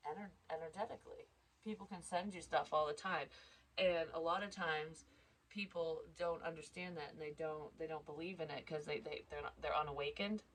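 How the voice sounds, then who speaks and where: Stuffed-up woman with a low voice rambling thru a psychic reading, swears a bit. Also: poor audio. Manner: rambling, self-interrupting, swears casually. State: congested, stuffed up. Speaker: psychic tarot reader. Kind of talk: casual spoken reading.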